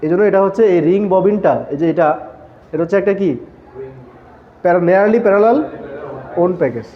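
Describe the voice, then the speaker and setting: A man's voice: high voice, normal speed, dull audio. A man teaching a classroom lecture, explaining step by step and asking the class questions that he answers himself. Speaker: textile engineering lecturer.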